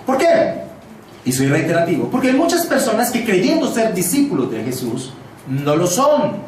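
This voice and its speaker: A pastor with a high voice preaches an expository sermon in a church sanctuary, speaking emphatically and repeating key phrases for stress. The mic picks him up from a distance in the echoey hall, with slight background noise.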